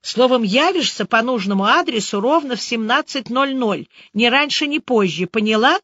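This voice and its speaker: A woman reading an audiobook, voicing a brisk, friendly male police officer who gives bossy instructions. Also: on the high side, animated, a bit bright, no room sound, highs cut off.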